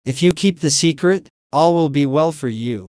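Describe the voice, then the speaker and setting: A man voicing a stern white wolf under a fairy curse, speaking slowly and gravely in a storybook tale. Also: a little high, darkish tone, no echo, studio quality, natural voice.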